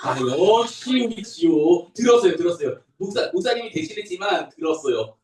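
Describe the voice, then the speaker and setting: A young adult man who is a pastor, telling a Bible story to toddlers in a sing-song, animated way. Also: high-pitched, moderate pace. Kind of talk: children's sermon. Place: church room. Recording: echoey room, voice from a distance.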